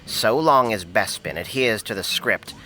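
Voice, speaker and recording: Audio drama villainous media boss: piercingly tense, animated, grandiose and self-justifying. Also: male voice, on the low side, a little slow, soft background music. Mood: triumphant. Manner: intense, self-important.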